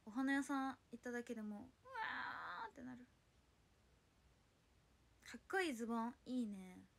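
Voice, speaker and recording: A woman's voice: fairly high pitch, quick pace. A young woman, chatting casually on a solo livestream, flustered as she reads and answers viewer comments. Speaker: idol livestreamer.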